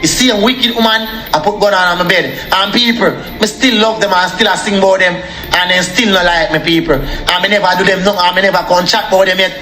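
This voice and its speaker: A man's voice: high-pitched, fairly even intonation, fairly quick, sharp tone, echoey room, faint music behind. A young man with a Jamaican accent ranting angrily on a live stream, repeatedly calling out to his viewers. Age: young adult. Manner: repetitive, addresses viewers as people. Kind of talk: angry live-stream rant.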